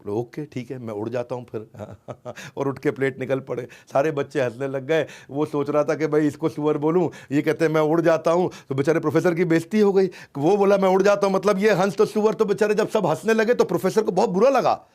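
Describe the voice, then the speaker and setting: A man telling an inspiring story in a lively, rising-and-falling way, with a slightly high voice. He repeats phrases for effect and keeps tossing in small tag fillers as he goes. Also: a little fast, few pauses. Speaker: motivational storyteller. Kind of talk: storytelling talk.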